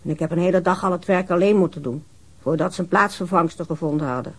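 An actor in a radio drama playing a chatty, reflective co-worker giving a witness account, with a husky voice. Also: male voice, high-pitched, fast talker. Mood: reflective, slightly aggrieved.

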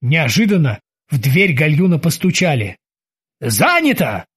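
A woman reading a comic story aloud in a lively, expressive way. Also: deep voice, moderate pace, husky. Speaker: narrator. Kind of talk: audiobook narration.

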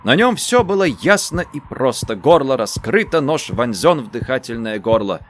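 A man reading a first-person story aloud in a subdued, low-key manner. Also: very animated, normal speed, a little hiss or hum. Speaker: narrator. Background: faint music.

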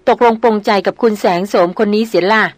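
A woman's voice: mid-range voice, fast, dry recording, natural voice. A woman voicing a curious, composed young woman who asks probing questions in an audiobook. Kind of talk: audiobook character reading.

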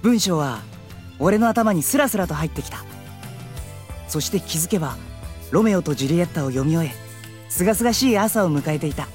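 Lively, cheeky high school boy played by a woman. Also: normal speed, pauses often, soft background music, natural voice. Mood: musing. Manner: playful, theatrical. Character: cheerful, cocky, encouraging high school boy. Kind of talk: anime-style audio drama acting.

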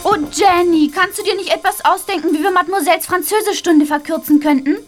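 An actress voicing an eager, mischievous schoolgirl in a children's radio play, excitable. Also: very high voice, brisk, soft background music. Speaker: boarding-school girl.

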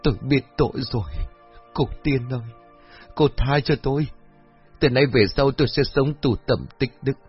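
A man doing a shrill, terrified woman begging. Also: moderate pace, slightly rough. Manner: frantic, pleading, shrill cries. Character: terrified middle-aged woman begging for mercy. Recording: dull lo-fi audio, faint music.

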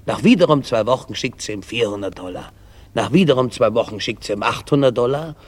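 A man's voice: mid-range voice, lively intonation, brisk. A male comedian telling jokes in a Yiddish-flavoured storytelling style.

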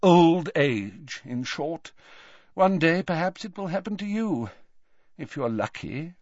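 A man voicing an old, courteous wizard who speaks with calm, measured dryness, in a dull, dry recording. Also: on the high side, no room sound, pitched above the performer's own voice. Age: older.

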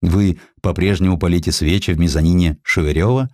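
A man voicing a blunt, patronizing count in audiobook dialogue, gruff and condescending. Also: low voice, steady tone, a little fast, a little mellow, no echo, studio quality, close to an everyday voice. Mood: brusque.

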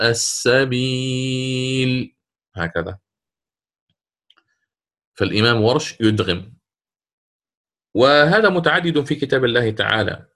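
A man's voice: fairly low pitch, fairly bright tone. A man teaching a class on Quran recitation rules, questioning his students and explaining each rule step by step.

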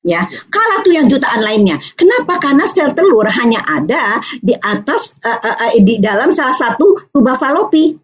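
A woman's voice: high-pitched, moderate pace. A woman from Aceh gives a parenting seminar talk, telling a personal story and acting out the voices in it, at times becoming tearful. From Aceh, Indonesia. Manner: animated, acts out quoted voices, turns tearful. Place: online video seminar. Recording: muffled lo-fi online meeting audio.

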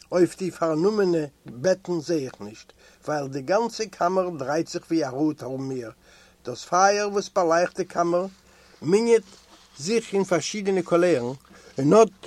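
A man from Eastern Europe reading a first-person memoir aloud in a measured storytelling way. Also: fairly high pitch, no room sound. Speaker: audiobook reader.

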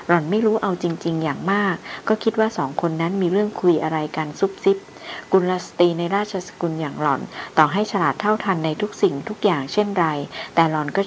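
A woman narrator reading a novel aloud in a steady, even storytelling manner. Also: low-pitched, a little hiss or hum, low-quality recording. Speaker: audiobook narrator.

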